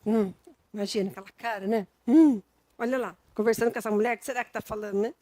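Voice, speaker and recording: A woman's voice: fairly high pitch, steady tone, quick pace, warm tone, no echo. A woman with a Brazilian Portuguese accent preaching a sermon in a homely, conversational way, with frequent tag questions.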